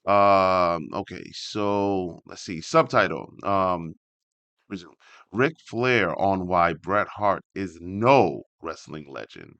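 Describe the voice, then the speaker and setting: A man with a fairly low voice reads aloud and comments as he goes, in a casual, off-the-cuff way. He often interrupts himself with animated asides. The sound is dry and close, with very little room in it. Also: takes it slowly, no room sound, dull audio. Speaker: host reading a wrestling article aloud with commentary. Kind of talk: casual read-along commentary.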